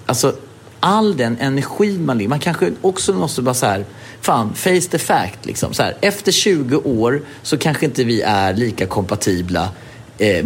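A man's voice: mid-range voice, a little hiss or hum. A man co-hosting a relationship podcast in casual chat, rambling and swearing as he acts out little scenes. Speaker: podcast co-host.

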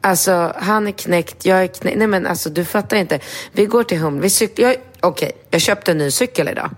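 A woman, co-hosting a casual podcast chat. She tells an animated story, acts out quotes in a high voice and swears casually. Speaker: podcast co-host.

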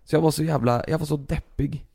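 A man's voice: a little high, vocal fry, slightly rough. A man chatting casually as a podcast co-host, swearing a lot as he vents and tells his story with animation. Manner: profane, venting, animated storytelling. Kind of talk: casual chat.

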